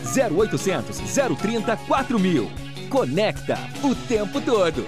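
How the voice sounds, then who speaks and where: A man's voice: sits high, big pitch swings, a little slow. A man reading a promotional commercial with a sing-song delivery. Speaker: ad announcer. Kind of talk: commercial voice-over. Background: music.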